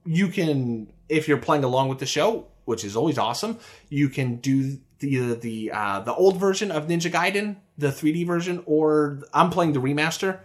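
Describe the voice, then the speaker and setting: Rambling, animated podcast man. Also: a little high, moderate pace. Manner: rambling, hesitant, laughs often. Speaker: podcast co-host. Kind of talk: casual chat.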